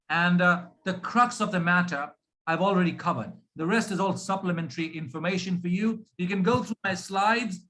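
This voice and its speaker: A man with an Indian accent coaching pronunciation on a video call, drilling words slowly and switching into Hindi. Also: high voice, pushed and bright, low-quality recording. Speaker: pronunciation trainer.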